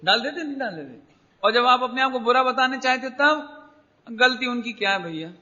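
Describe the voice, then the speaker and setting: A man's voice: very high voice, lively intonation, normal speed, pushed and bright, muffled recording. A man giving a religious discourse as a spiritual teacher. He keeps quizzing the audience with rhetorical questions and acts out everyday people in quoted asides.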